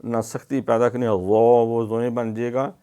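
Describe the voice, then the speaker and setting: A middle-aged man with a Pakistani Urdu accent teaching Quran recitation, drilling letter sounds slowly and then explaining them. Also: medium pitch, little pitch movement, clear, resonant tone. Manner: stretches syllables, louder on drills. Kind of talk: recorded tajweed lesson.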